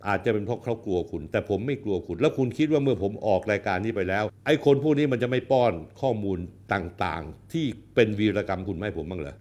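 An older man in his sixties, a political commentator addressing a rival directly, blunt, coarse and accusatory. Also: medium pitch. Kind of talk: confrontational on-camera address.

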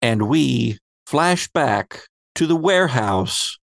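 A man hosting a tabletop game podcast as game master, narrating the story in a measured, dramatic way. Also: mid-range voice, animated, creaky, a bit bright, no room sound, clean studio sound.

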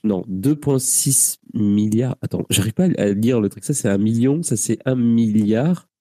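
A man's voice: lowish voice, a little slow, dark tone, no room sound. A man hosting a live radio talk show, his sinuses blocked, talking in a hesitant way with many fillers and restarts. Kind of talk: casual live radio chat.

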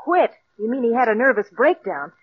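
An actress playing a worried, protective young wife who pleads insistently, in a 1940s radio drama. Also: female voice, on the high side, sing-song, a little fast, slightly rough. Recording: dull old radio recording.

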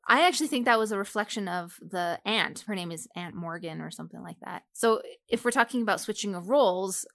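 A woman co-hosting a casual book discussion, giving analytical, animated opinions. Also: medium pitch, fairly quick, gravelly, no echo. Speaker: podcast co-host.

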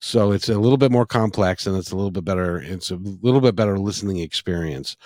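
A man's voice: deep voice, fast, a little mellow, no room sound, studio quality. A middle-aged man hosting a casual music interview, effusive and rambling, often repeating his phrases. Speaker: interview host.

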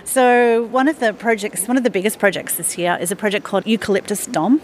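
A woman, a museum chief executive answering radio interview questions in a measured, enthusiastic way with small fillers. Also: medium pitch, slight background noise.

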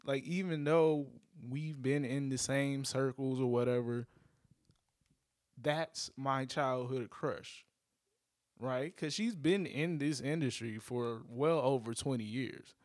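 A man in his thirties co-hosting a casual chat, measured and reasoning, weighing both sides. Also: mid-range voice, darkish tone, dry recording, studio quality. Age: 30s. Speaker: podcast co-host.

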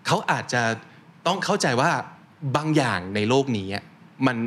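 A man with a Thai accent hosting a relaxed conversation and sharing his own stories in Thai and English. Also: mid-range voice, normal speed, breathy edge. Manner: reflective, tells anecdotes. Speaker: host.

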